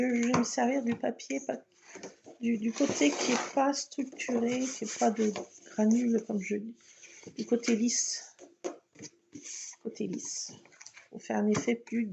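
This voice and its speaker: A craft vlogger chats her way through a crafting tutorial at home, explaining each step and using plenty of fillers. Her voice is on the high side and creaky. The lo-fi recording sounds dull, with faint noise.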